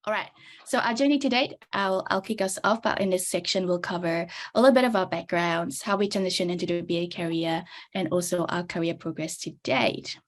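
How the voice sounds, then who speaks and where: A woman's voice: on the low side, brisk. A young woman from the Czech Republic presenting her career story in a chatty webinar talk. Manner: chatty, many fillers and restarts. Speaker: webinar speaker, business analyst. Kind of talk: presenting over shared slides.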